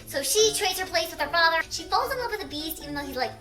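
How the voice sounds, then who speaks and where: Young female vlogger on helium: squeaky, bright, giggly, rambling playful retelling, echoey room. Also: animated, quick pace, soft background music. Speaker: video creator. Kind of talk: playful challenge vlog retelling film plots.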